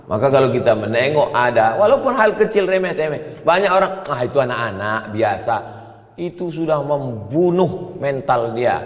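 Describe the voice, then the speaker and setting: A man preaching a sermon with questions and answers. His voice swings from loud and high to low and quiet. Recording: echoey hall with long reverb.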